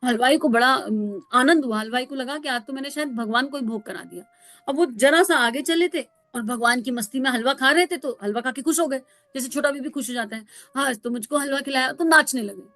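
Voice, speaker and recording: A woman spiritual counsellor giving a devotional talk, telling stories in an animated way and mixing in English words. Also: high voice, fairly quick, dry recording.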